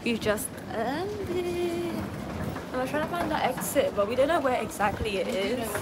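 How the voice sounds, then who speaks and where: A young woman talks chattily into her phone camera while travelling. Her voice sits a little high and her delivery is animated and joking. Loud crowd chatter and travel noise fill the background. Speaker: vlogger. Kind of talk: casual travel vlog to camera. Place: airport, train and hotel. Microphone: phone camera at arm's length.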